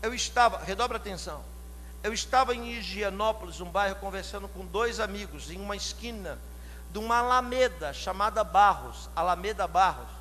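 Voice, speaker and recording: A man from São Paulo with a São Paulo Portuguese accent, preaching a sermon, questioning the congregation and building to loud shouted climaxes. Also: high voice, lively intonation, fairly quick. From São Paulo, Brazil. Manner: asks the congregation direct questions. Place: church hall. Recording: long hall reverb, faint hum.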